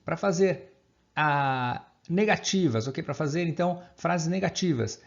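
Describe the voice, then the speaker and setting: Gravelly Brazilian man teaching grammar. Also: fairly high pitch, a little slow, highs cut off. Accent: Brazilian Portuguese. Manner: explains patiently, checks in with "ok?" after nearly every point. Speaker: English teacher. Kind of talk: online grammar lesson.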